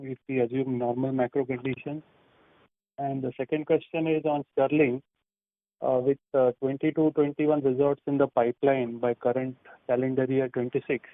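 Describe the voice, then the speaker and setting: A man's voice: medium pitch, dry recording. A man calling in to put formal business questions as an analyst. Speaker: caller asking questions, investor or analyst. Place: phone call. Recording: dry, narrow telephone line.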